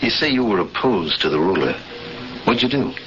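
Animated, blunt prisoner hero. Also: male voice, on the low side, normal speed, a little hiss or hum. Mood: probing. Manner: blunt, colloquial, probing. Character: brash, questioning American prisoner telling his own story. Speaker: actor playing narrator and protagonist. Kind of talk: 1970s radio drama acting. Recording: dull vintage radio broadcast, loud music.

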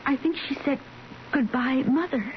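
An actress playing a timid, innocent young daughter in a 1970s radio drama, plaintive and questioning. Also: female voice, sits high, moderate pace, close to an everyday voice. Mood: curious, puzzled. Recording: muffled, hissy old radio broadcast.

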